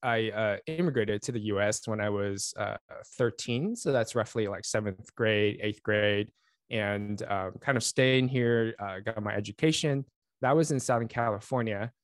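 This man in his forties has a lowish voice and speaks at a normal pace, recorded with clean studio sound and no echo. He grew up in Taiwan and speaks Chinese natively, and he's a network engineer and author appearing as a guest in a casual interview over a remote call. His chat is friendly and rambling, full of fillers and restarts.

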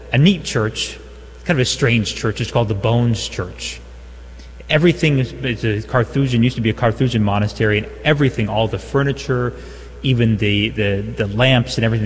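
A man speaking as a priest at Mass in a large church, his voice carried in a cathedral echo. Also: medium pitch. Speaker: priest leading Mass, preaching. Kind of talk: chanted liturgy, gospel reading and homily. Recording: long echoing church reverb.

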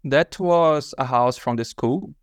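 Slow, clear-voiced man telling his story. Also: mid-range voice, no room sound, studio quality. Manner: unhurried storytelling with many fillers. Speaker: interview guest, author. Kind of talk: casual interview chat.

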